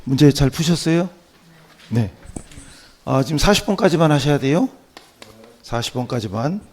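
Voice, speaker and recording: Man, dark mellow tone, hoarse with a cold, classroom exam lecturer, short tag questions. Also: on the high side, animated, moderate pace. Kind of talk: classroom lecture going through practice questions.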